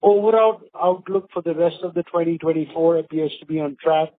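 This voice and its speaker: A man with an Indian accent formally reading prepared earnings call remarks as a company executive, in a measured way. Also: on the high side, no echo. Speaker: company executive presenting results. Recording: narrow, tinny phone conference line.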